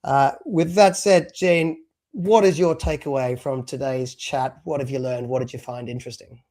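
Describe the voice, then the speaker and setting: A man's voice: medium pitch, fairly even intonation, moderate pace, mellow. A man co-hosting a live stream podcast, talking casually and rambling with lots of fillers. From abroad, moved to Australia at three. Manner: chatty, rambling with many fillers. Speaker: podcast co-host.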